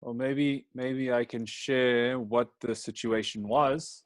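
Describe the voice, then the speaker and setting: A man's voice: medium pitch, fairly even intonation, takes it slowly, no room sound. A man, a pastor, recounting a personal experience to a group in a reflective, hesitant way with many fillers. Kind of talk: personal story in a group call.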